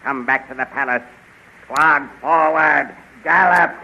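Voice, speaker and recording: A man's voice: fairly high pitch, slow, gravelly. An actor playing a domineering, suspicious villain king, barking scornful commands in a 1930s radio serial. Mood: commanding. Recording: muffled, noisy 1930s radio recording.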